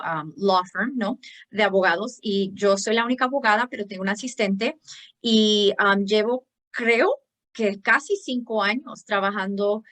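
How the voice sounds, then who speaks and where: A woman from Chicago, a bankruptcy lawyer, answering interview questions in a chatty, hesitant way with frequent pauses and restarts. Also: mid-range voice, fairly bright tone. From Chicago, United States.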